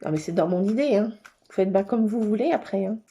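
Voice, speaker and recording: A woman hosting a casual craft session, chatting to her viewers and thinking aloud as she works, with sudden bursts of excitement. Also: medium pitch, a little fast. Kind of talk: casual craft tutorial chat.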